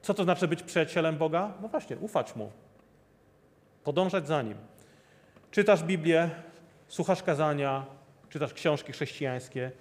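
A man delivers a sermon, pressing his listeners with the same rhetorical questions again and again. His voice sits a little high for a man. It rings with the long reverb of a large hall. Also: lively intonation, normal speed, long pauses. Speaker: preacher.

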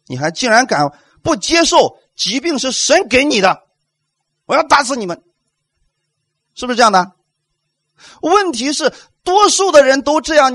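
A male pastor preaching with a high voice that leaps up and down, pressing the congregation with rhetorical questions. He acts out what others might say in emphatic bursts. The sound is dry and close, with no room around it. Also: a bit bright, dry recording. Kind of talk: sermon.

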